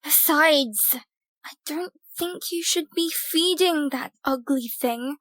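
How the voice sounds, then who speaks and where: A woman's voice: high-pitched, takes it slowly, fairly bright tone, no room sound. A woman playing a wary, disapproving young companion in an audio drama. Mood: distrustful. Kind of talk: audio drama character acting.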